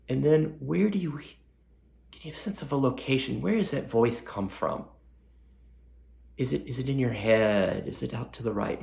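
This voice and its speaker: Slow, gravelly man guiding meditation. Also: mid-range voice, reverberant. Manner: slow, soft and unhurried, full of pauses and gentle questions. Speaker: meditation teacher. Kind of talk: guided meditation.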